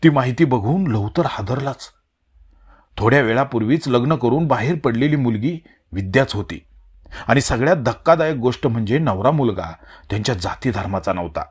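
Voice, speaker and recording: Male audiobook narrator, husky, expressive pitch. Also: moderate pace.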